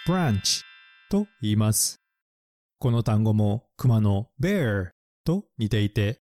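A man narrating a bilingual lesson, explaining English words slowly and spelling them out letter by letter. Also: lowish voice, warm tone, dry recording, clean studio sound.

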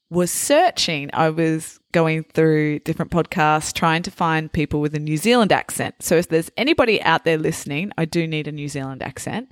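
A woman hosts a podcast interview in a chatty, friendly way, laughing easily and asking question after question. Her voice sits a little low for a woman. The sound is dry and close. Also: dry recording. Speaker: podcast host. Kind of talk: casual interview.

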